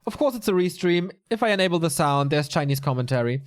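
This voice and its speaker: A man casting a live strategy game tournament on his own. His voice sits a little high and swings freely up and down as he talks. He keeps things casual, stopping to chat with viewers between the calls. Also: quick pace. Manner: lively, chatty, answers viewer chat mid-commentary. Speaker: esports commentator. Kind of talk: solo live game commentary.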